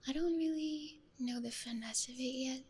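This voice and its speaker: A woman streaming ASMR in a hushed, breathy whisper, speaking gently and intimately close into a stereo microphone. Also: high voice, normal speed, slight background noise.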